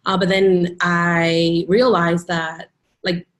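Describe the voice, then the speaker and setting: A woman's voice: fairly low pitch, little pitch movement, slow pace. A woman from the Dominican Republic, a teacher, talking casually in an interview with lots of "like" fillers and restarts. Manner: chatty, many "like" fillers and restarts.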